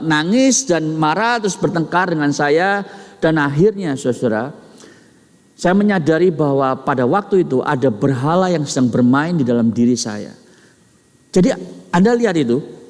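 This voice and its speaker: A middle-aged man preaching a sermon, swinging between high emphatic peaks and low quiet asides, addressing his listeners as brothers and sisters. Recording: long hall reverb.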